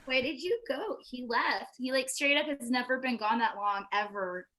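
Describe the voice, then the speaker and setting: Casual female storyteller, high bright voice, chatty and slangy, swears freely, video-call sound. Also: normal speed. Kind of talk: casual group chat.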